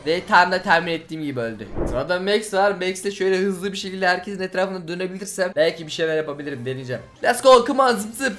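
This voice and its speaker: A young man hosting a gaming channel, giving excited gameplay commentary, talking rapidly, repeating phrases and shouting at the game. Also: sits high, soft background music.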